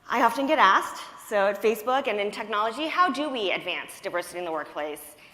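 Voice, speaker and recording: Amid noticeable background noise and audible room echo, a woman talks fairly quickly at a fairly high pitch. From United States, Japanese-speaking family. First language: Japanese. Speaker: diversity and inclusion lead, panel speaker. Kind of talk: conference panel talk.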